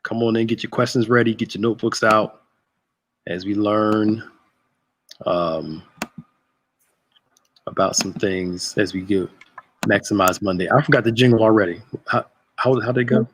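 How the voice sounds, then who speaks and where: A man's voice: fairly low pitch, fairly even intonation, moderate pace, long pauses, slight background noise. A man in his thirties hosting a casual livestream chat, joking and greeting viewers by name. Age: 30s. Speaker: host.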